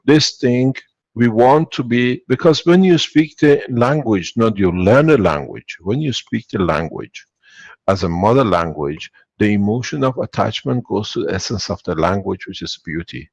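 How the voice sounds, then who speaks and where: A low-pitched man with a gravelly, husky voice talks in a dry, close sound. He speaks in long, rambling stretches and cuts into the caller's replies. His tone is insistent as he lectures. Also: animated, normal speed, darkish tone, dry recording, muffled recording. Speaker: workshop speaker answering callers. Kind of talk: spiritual talk and Q&A.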